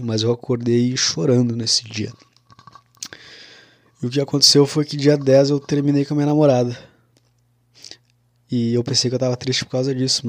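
A young man recounts a personal story in a casual, confessional monologue. His voice sits at a middle pitch and stays flat and even, and he keeps dropping in "cara" and "né". The sound is dry and close, with no room around it. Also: no room sound.

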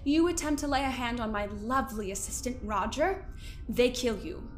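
A woman playing a smug, controlling overseer in an audio drama, delivering measured, condescending threats in a theatrical way. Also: a little high, lively intonation, soft background music, close to an everyday voice. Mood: coolly threatening. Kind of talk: scripted audio drama acting.

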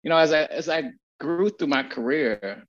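A man being interviewed as an agency strategist, telling stories in a blunt, animated way with lots of swearing and repeated words. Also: fairly high pitch, normal speed, dull audio. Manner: animated storytelling, frequent profanity and repetitions. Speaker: guest, agency founder and strategist. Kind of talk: casual podcast interview.

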